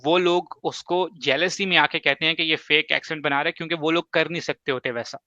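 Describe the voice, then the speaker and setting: A host whose first language is Urdu gives a casual advice talk, speaking emphatically and relying on examples and quick asides. His slightly high, bright voice has fairly even intonation and is recorded dry and a little dull, with no echo.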